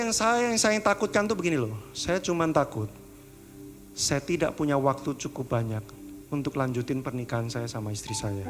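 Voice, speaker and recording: Pastor, male, chatty sermon style, moves between pleading highs and hushed lows, fairly high voice, music underneath. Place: church service.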